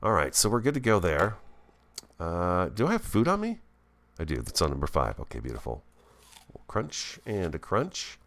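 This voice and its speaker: A man giving casual, chatty gameplay commentary as a host, thinking aloud and easily excited, talking with a swollen, bitten tongue. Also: sits low, normal speed. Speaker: gaming video host.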